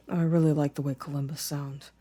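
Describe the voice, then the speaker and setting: A man playing a gentle, introspective boyfriend in an intimate ASMR roleplay, soft-spoken with careful, formal wording. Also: a little high. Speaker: audio roleplay voice actor.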